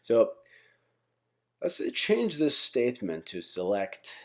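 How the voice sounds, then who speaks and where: A software engineering instructor who hosts a channel gives an informal explainer lesson. His mid-range voice swings hugely in pitch and moves slowly, and he keeps checking in with "right?", "okay?", and "guys".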